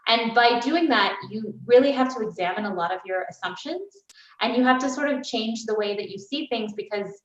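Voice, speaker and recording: A woman's voice: a little high, a little fast. A woman raised in the United States reflects fluently and thoughtfully as she speaks on a festival panel. She sits some way off from the microphone, and the reverberant hall gives her voice a dull, muffled edge. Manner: thoughtful, fluent, musing aloud. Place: festival venue. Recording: distant mic, roomy, dull sound.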